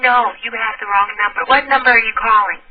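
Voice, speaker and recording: A woman's voice: fairly high pitch, fairly even intonation, quick pace. A woman answering a phone call and talking casually. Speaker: prank call recipient. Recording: dull noisy phone line, distant.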